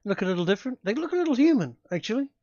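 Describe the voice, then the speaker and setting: A man's voice: extremely high pitch, very animated, mellow, no echo, dull audio. A man narrating a tabletop game as game master, describing scenes with frequent fillers and restarts. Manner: halting, many restarts and fillers.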